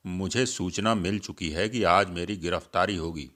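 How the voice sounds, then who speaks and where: A man's voice: sits low, normal speed, fairly bright tone. A man voicing a disillusioned young male activist in a story reading, giving curt, dismissive replies.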